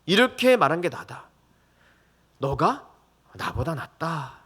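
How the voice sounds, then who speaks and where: Middle-aged man, pastor; conversational sermon, acts out family voices, high and animated delivery. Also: slow pace, slightly rough.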